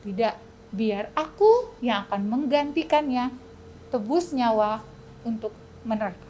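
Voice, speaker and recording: Woman voicing a gentle loving Lord. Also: fairly high pitch, lively intonation, unhurried, a little hiss or hum. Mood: tender.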